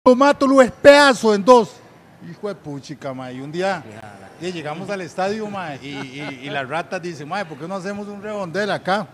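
A middle-aged Costa Rican man, a guest storyteller, tells anecdotes in casual chat with a fairly high, fairly quick voice. He is animated and loudly acts out the voices of the people in his stories.

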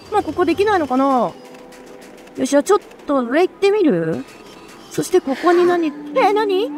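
A woman streamer giving excitable, chatty commentary while playing a video game, full of quick exclamations. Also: very high-pitched, a little hiss or hum. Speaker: let's play streamer. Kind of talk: live gameplay commentary.

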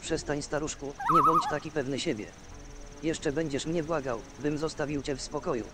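An actor playing a bold young wandering fighter, the blunt and challenging hero of a fantasy video game. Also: male voice, a little high, wildly swooping pitch, normal speed. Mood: defiant. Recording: game audio with clear ambient noise.

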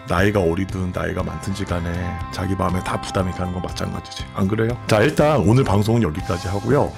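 A middle-aged man, hoarse from a cold, telling stories to viewers in a blunt, chatty way into a studio mic. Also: lowish voice. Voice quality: gravelly, husky. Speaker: channel host sharing prison life stories. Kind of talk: casual storytelling monologue. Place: small studio, indoors. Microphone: large studio mic on a stand.

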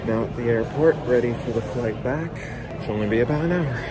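A man's voice: medium pitch, brisk. A man casually narrating his trip for a travel vlog, with dry, matter-of-fact remarks, recorded on a handheld phone. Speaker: vlogger. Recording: loud crowd and music behind.

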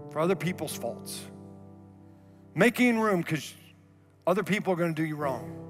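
A man in his thirties preaching a sermon on a church stage through a headset mic, animated and moving around, dropping to a soft low voice for emphasis. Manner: animated, gestures widely while pacing the stage. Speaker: pastor. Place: large church auditorium stage. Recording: reverberant hall, faint music.

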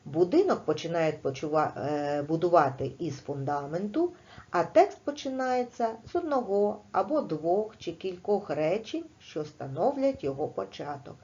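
A woman teaching a primary school class in a recorded video lesson, explaining slowly and clearly with patience. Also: on the low side, lively intonation, darkish tone, dull audio.

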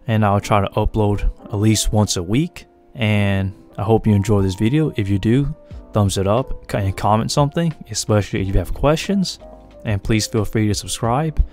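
A young American man with a deep voice and a slight Asian-tinged accent, giving relaxed, rambling, self-deprecating voice-over commentary for his hobby video. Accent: American, with an Asian lilt he notes himself. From United States. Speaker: tarantula breeder and channel host. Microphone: voice-over recorded separately from the pictured footage. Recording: voice-over with faint background music. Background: soft music underneath.

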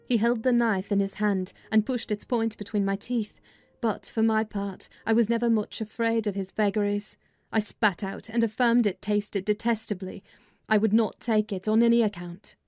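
A woman reading as an audiobook narrator, with measured, dramatized storytelling of literary prose. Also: mid-range voice, steady tone, a little mellow, no echo, studio quality.

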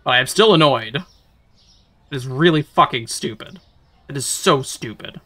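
Animated, bright-voiced male streamer. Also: medium pitch, measured pace. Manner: chatty, bursts into loud playful rants. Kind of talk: casual live-stream chat while gaming.

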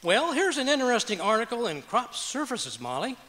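A man's voice: very high-pitched, sing-song, brisk, sharp tone, slight background noise, full character voice. A man playing a stubborn, blustery, folksy husband in an old-time radio comedy. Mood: earnest. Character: blustery, stubborn husband who hoards junk. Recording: echoey auditorium stage.

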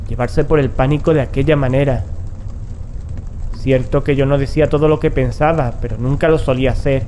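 An actor playing a composed, aloof and secretive male investigator in an audio drama, measured and matter-of-fact. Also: mid-range voice, mellow, slight background noise, close to an everyday voice. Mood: reflective. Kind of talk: scripted audio drama dialogue and narration.

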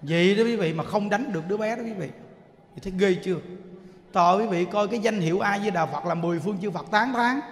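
A man with a Southern Vietnamese accent preaching a Buddhist sermon, emphatic and full of rhetorical questions, sometimes dropping to a soft chant. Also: high-pitched, fast talker. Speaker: Buddhist teacher. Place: temple hall. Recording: echoey hall reverb.

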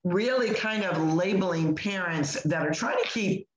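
Hoarse older woman, podcast co-host, rambling casual chat, roomy room sound. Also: on the low side, a little slow, dull audio. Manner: chatty, rambling with restarts. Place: home room, video call.

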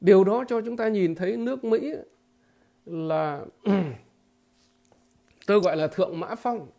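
Gravelly man giving halting political commentary. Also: high voice, warm tone. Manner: halting, with many repeated fillers; emphatic, with blunt crude imagery. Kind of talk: political commentary monologue to viewers.

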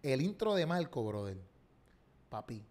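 A young man with a Puerto Rican accent, a Christian comedian chatting on a podcast in slangy, animated storytelling that acts out quotes. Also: medium pitch, unhurried. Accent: Puerto Rican Spanish. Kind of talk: casual podcast chat.

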